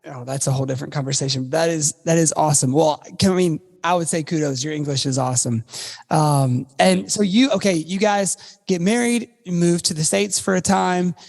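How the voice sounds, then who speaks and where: Host, mid pitch, encouraging and quick to laugh; long room reverb. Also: gravelly. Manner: warm, encouraging, laughs easily. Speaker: podcast host. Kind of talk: casual interview chat.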